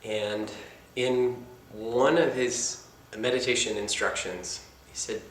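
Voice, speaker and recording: A man giving a meditation talk in a soft-spoken, reflective manner, with casual asides. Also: medium pitch, fairly even intonation, slow pace, slight background noise. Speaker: meditation teacher. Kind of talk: dharma talk. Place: meditation center hall. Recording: echoey meditation hall with faint ambience.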